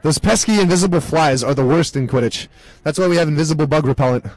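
High-voiced joking male sports commentator. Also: fast talker, no room sound, low-quality recording. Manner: deadpan joking asides. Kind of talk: comedic live sports commentary.

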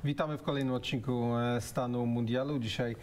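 A man's voice: mid-range voice, steady tone, a little fast, darkish tone, slight background noise. A man in his thirties hosting a studio sports talk show, chatting casually with fillers. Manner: conversational, with fillers. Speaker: host.

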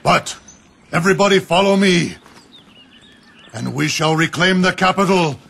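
A man's voice: sits high, measured pace, gravelly, bright, forceful tone, full character voice. An actor playing a righteous warlord rallying his troops in a game cutscene, with a rousing, declamatory delivery.

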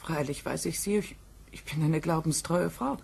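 An earnest Puritan wife in a German radio drama. Her voice is very husky and creaky, quiet and halting, with an anxious firmness. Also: low-pitched, heavily acted. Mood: wounded, earnest. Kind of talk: German radio play acting.

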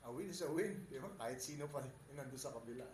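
Older Filipino coach, halting press-room answers, mixes in Tagalog, echoey room with clear noise behind. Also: male voice, mid-range voice, a little mellow. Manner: switches between English and Tagalog, halting with many fillers. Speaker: basketball head coach. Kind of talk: postgame press conference answers. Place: press room with sponsor backdrop. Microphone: table mic on stand.

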